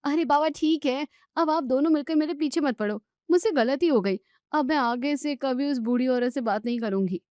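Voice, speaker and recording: A woman voicing a kind, dutiful young daughter-in-law who speaks earnestly and gently. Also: sits high, normal speed, dry recording, studio quality, pitched above the performer's own voice, close to an everyday voice. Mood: appeasing. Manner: pleading, earnest.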